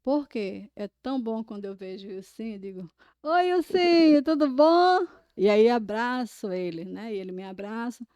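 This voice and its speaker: A woman's voice: medium pitch, normal speed, hardly any pauses, warm tone, clean tone, dry recording, clean studio sound. A woman guest, an interpreter, explaining things in a demonstrative way with many small tag words. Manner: explanatory, demonstrative, peppers speech with "né" and "ó". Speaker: sign language interpreter, guest. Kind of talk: casual podcast conversation.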